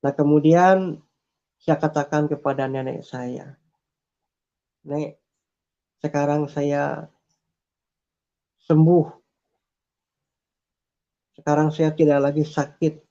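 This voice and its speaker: A man's voice: a little high, fairly even intonation, takes it slowly, pauses often, dark tone. A man telling his personal faith testimony in an earnest, repetitive way, with frequent hesitations. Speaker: testimony speaker. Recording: dull lo-fi recording.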